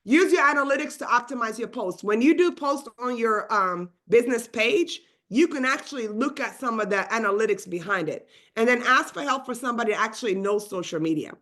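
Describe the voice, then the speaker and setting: A woman coach talks quickly and with lots of energy, her voice bright and forceful and pitched a little high. Swedish is her first language. She runs a live online session over a video call mic, piling on asides as she goes. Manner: fast, energetic, chatty, many asides. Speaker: real estate trainer.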